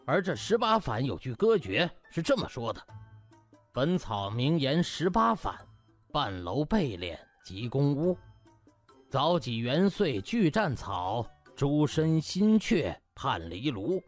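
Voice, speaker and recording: A man's voice: fairly high pitch, very animated, takes it slowly. A man playing a boastful, conceited male doctor in an audiobook, haughty and huffy. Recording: music bed behind.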